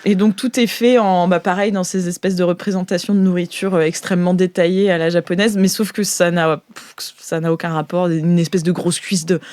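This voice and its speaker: A woman's voice: on the low side, steady tone, a little fast, few pauses, a little mellow, no room sound. A woman improvising narration as a tabletop game master, feeling her way through descriptions. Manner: hesitant, improvising as she describes scenes.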